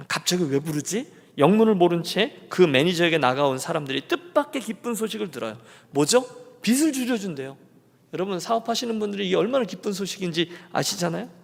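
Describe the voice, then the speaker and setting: Lively high-voiced preaching pastor. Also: male voice, creaky. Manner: animated storytelling, rhetorical questions to the congregation. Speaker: senior pastor. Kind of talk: sermon. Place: church sanctuary. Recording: long church reverb.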